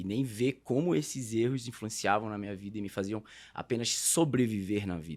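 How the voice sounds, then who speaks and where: In a very clean recording with a silent background, a man with a fairly low voice speaks at a moderate pace with ordinary pitch variation. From Santarém, Pará, northern Brazil. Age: 30s. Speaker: airplane pilot, survivor guest. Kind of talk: interview testimony. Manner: halting, repeats words.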